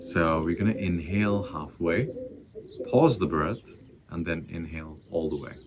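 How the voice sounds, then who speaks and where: A man with a very deep voice leads a breathing practice outdoors. He gives slow, soft, calm cues with long pauses between them. Faint noise and birdsong sit behind him. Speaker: breathwork instructor. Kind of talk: guided breathing class.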